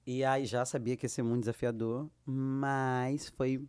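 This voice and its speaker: A Brazilian woman with a Brazilian Portuguese accent, a guest actress telling lively anecdotes and acting out the dialogue she quotes. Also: a bass voice, a little slow, clear, resonant tone. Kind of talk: casual storytelling.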